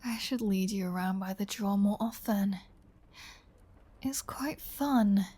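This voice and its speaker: Casting: flirty vampire huntress of humans woman performer, unhurried, breathy and half-whispered, teasing, in command, ASMR roleplay style. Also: mid-range voice, warm tone. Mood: taunting, playful. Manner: teasing, breathy, slow, dominant. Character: flirty, predatory female vampire toying with a hunter. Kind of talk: intimate ASMR audio roleplay, often whispered.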